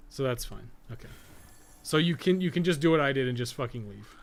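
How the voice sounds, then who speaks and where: A man's voice: mid-range voice, lively intonation, fairly quick. A man doing casual live gameplay commentary, thinking aloud and swearing freely as he plays. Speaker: game streamer and guide writer.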